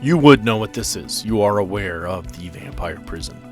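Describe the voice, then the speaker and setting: Lively man running a tabletop game. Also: lowish voice, moderate pace, faint music behind. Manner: conversational, addresses players directly. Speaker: game master and host. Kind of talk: narrating a tabletop roleplay podcast.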